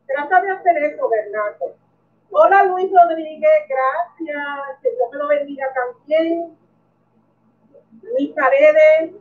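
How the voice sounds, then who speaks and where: Greeting her viewers one by one, a middle-aged Puerto Rican woman who makes coin-collecting videos reads stream comments aloud in her bedroom. She has a high voice, and the webcam audio comes across tinny and remote.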